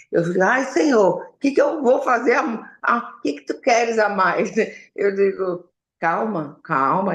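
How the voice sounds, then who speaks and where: A woman speaks, her pitch swinging very widely up and down. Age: 60s. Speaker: Bible study participant. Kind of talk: Bible study group discussion.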